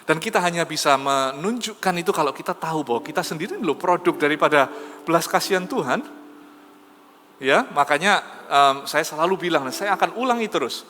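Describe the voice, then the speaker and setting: A man preaching a sermon as pastor in a conversational, animated storytelling manner. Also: on the high side, brisk, a little hiss or hum. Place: church. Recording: reverberant church hall with soft music.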